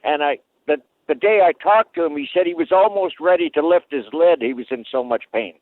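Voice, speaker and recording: A man's voice: a little high, a little fast, no echo. Guy from alberta on an old flip phone call, tinny thin line, talks plain with lots of uh's. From Alberta, Canada. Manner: plain-spoken, hesitant with frequent uh fillers. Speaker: caller. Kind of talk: casual phone-in storytelling.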